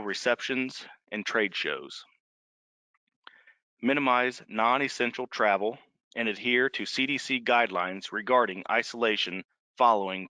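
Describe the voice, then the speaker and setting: An American man reading a formal scripted public briefing on a conference call, measured and carefully enunciating numbers item by item. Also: fairly low pitch, sharp tone, no echo.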